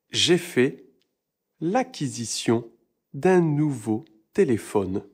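Un professeur de français qui donne une leçon de prononciation, en articulant chaque mot avec beaucoup de soin pour ses élèves. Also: male voice, medium pitch, breathy edge. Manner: slow, deliberate, over-articulates words for learners. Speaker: French teacher. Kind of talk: pronunciation lesson.

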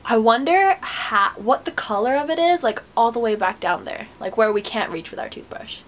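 A woman's voice: on the high side, big pitch swings, normal speed. A young woman vlogging to her webcam in a small bedroom, sweaty after a run and a bit stuffed up, chatting in an upbeat, encouraging, rambling way. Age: young adult. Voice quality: stuffy nose. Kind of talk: casual motivational chat to camera. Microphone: webcam close up.

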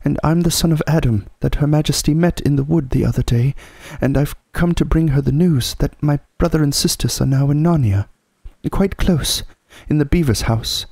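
A man's voice: on the high side, normal speed, vocal fry, dark tone, breathy edge, no room sound, voice pushed up. A man voicing an eager, anxious young boy in a storybook, polite and pleading. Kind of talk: storybook character voice.

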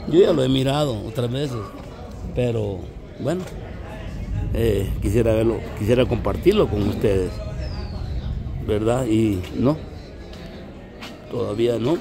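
A man from El Salvador with a Salvadoran accent, vlogging casually outdoors on a misty mountain and talking warmly to his viewers as friends. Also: lowish voice, vocal fry. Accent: Salvadoran Spanish. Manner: chatty, addresses viewers as little friends. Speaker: travel vlogger. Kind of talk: casual vlog narration.

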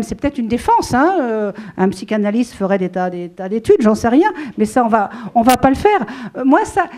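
A woman's voice: sits high, warm tone. A middle-aged French woman talking about her writing at a book event, holding a handheld mic and speaking in a rambling way with many fillers and restarts. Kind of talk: casual spoken talk to an audience. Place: small room with a seated audience.

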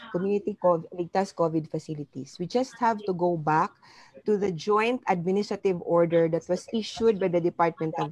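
A middle-aged Filipino-accented woman speaks in a fairly low, dry-sounding voice. She explains things politely and formally, like a physician presenting to a press briefing over a video call. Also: darkish tone, no echo, rough recording. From Philippines. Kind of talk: formal slide presentation, appeal. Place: indoor room, on a video call. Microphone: wired earphone mic on a video call.

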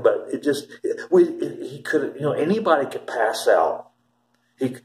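A man's voice: fairly high pitch, darkish tone. Older man rambling, echoey room. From Ohio, USA. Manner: rambling, emphatic, restarts sentences. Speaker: vlogger. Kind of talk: casual storytelling to camera. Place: small plain indoor room. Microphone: phone camera held close.

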